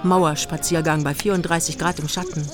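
A woman's voice: deep voice, fairly even intonation, brisk, music in the background, lightly acted. A woman acting as the storyteller of a literary radio play about a young couple's journey. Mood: composed narration. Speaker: narrator.

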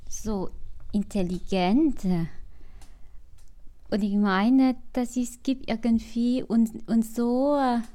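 Slow Vietnamese-accented woman recalling her past. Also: mid-range voice, dark tone. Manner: slow, halting, non-native German with many restarts. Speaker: interviewee. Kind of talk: recounting her life story.

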